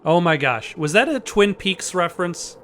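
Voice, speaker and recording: A man giving casual let's-play commentary, halting as he thinks aloud. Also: sits high, lively intonation, a bit bright, slight background noise. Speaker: let's player. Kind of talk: casual game commentary with read-aloud dialogue.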